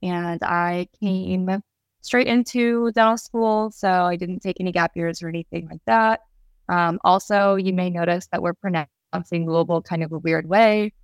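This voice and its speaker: A woman's voice: lowish voice, steady tone, normal speed, clean tone, no room sound. A woman from Kentucky, a dental student, introducing herself in a friendly manner. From Lexington, Kentucky. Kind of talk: casual self-introduction.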